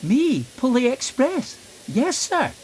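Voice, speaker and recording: A man's voice: very high voice, wildly swooping pitch, slow pace, slight background noise, voice pushed up, full character voice. A man voicing an eager, polite, cheerful female steam engine in a children's train story. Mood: excited. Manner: bright, polite, enthusiastic.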